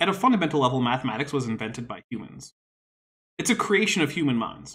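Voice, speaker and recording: A man talks at a very fast pace in a fairly high pitch. His voice makes very wide pitch swings. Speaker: reaction video commentator. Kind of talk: reaction commentary. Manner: casual, conversational.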